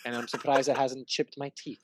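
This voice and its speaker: A man's voice: medium pitch, level tone, fairly quick, a little mellow, a little hiss or hum, natural voice. A man doing a cooing old nanny lady. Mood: flirty, cheeky. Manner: sing-song, coos pet names.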